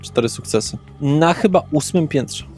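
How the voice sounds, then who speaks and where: A man's voice: a little high, expressive, moderate pace, darkish tone. A man narrating a tabletop roleplaying session as game master, explaining things in a conversational way. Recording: background music with guitar. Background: guitar music.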